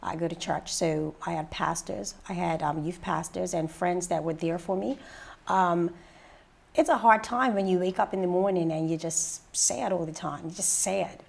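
Bermudian woman, 30s, gravelly voice, lively storyteller, interview guest. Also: moderate pace. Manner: lively storyteller, rises high when excited. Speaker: interview guest, radio personality and youth mentor. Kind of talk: sit-down interview. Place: living room set indoors.

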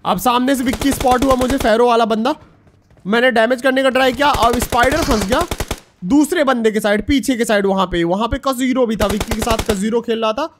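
A young man narrating his own gameplay in a chatty, excited voice-over, talking straight to his viewers. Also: very high voice, brisk, noisy background. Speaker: gaming YouTuber.

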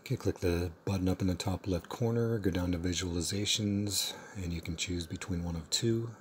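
A man narrating a step-by-step software tutorial in a plain, instructional manner. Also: low voice, brisk, a little hiss or hum. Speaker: tutorial presenter.

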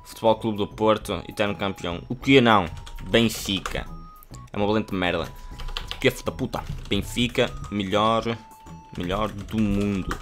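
A man's voice: lowish voice, fairly bright tone. A young man from Portugal, joking crudely while he reads chatbot replies aloud in a casual gaming vlog. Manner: jokey, crude, reads typed lines aloud. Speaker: gaming youtuber.

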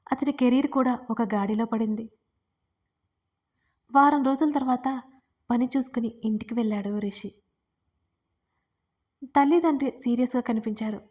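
A woman's voice: a little high, darkish tone. Woman narrating a romance audiobook. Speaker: storyteller.

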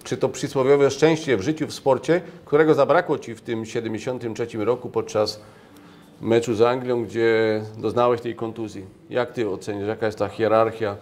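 An older man hosting an interview, asking measured questions and adding brief affirmations, on a lapel mic in a restaurant. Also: medium pitch, steady tone, darkish tone. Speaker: interviewer, host. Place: brick-walled restaurant, indoors.

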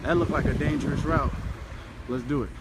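This young man from the United States talks briskly in a steady, mid-range voice, his African American English accent coming through as he vlogs from his bike. The phone is at arm's length, cars pass on the road, and the audio is very noisy as he chats loosely and swears now and then.

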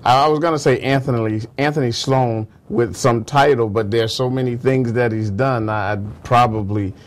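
A man's voice: medium pitch, steady tone, normal speed. A man hosting a casual, conversational interview as the interviewer. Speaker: interviewer, host. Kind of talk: casual radio-style interview.

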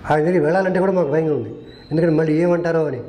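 A man's voice: a little high, steady tone, very fast, warm tone. An older man, a film director, telling stories from past film shoots and acting out the dialogue of the people in them. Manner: acts out quoted dialogue, earnest. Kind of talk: storytelling anecdote. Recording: echoey room.

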